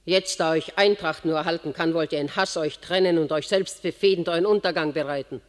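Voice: medium pitch, fairly quick, close to an everyday voice. A performer playing an imperious queen who pleads and mediates in a classical verse radio play, urgent and declamatory. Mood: urgent, pleading. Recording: long reverberant hall sound.

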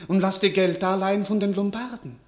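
An actor as a weak, self-pitying medieval king with a fairly high male voice. He declaims theatrically, full of feeling, in the style of a classic radio play. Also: fairly even intonation, a little fast, close to an everyday voice. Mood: haughty, careless. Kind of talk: classical radio drama acting.

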